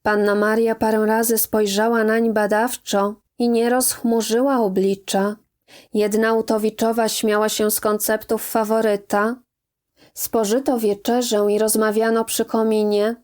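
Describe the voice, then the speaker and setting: A woman reads an audiobook in an unhurried, deliberate way. Her voice sits slightly high, and she takes her time over every phrase. The delivery is calm and steady. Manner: slow, measured reading. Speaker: audiobook reader. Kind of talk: audiobook narration.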